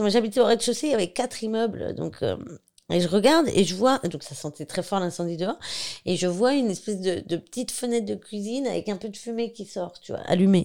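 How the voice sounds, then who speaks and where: A woman with a dark, mellow tone speaks at medium pitch and a fairly quick pace. Her lively intonation is heard in a very clean recording with a silent background. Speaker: comedian. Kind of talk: casual chat.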